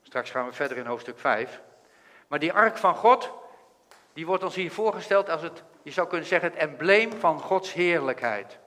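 Bright-voiced Dutch man reading scripture. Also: a little high, expressive. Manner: earnest, thoughtful, pauses and restarts. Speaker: preacher. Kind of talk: Bible reading and exposition. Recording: long hall reverb.

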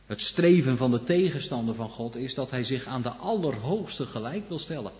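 A man's voice: medium pitch, lively intonation, normal speed, a little mellow. Preacher man in a reverberant hall. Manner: explains scripture, leans on frequent "hè" asides. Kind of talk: sermon. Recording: long hall reverb, dull lo-fi sound.

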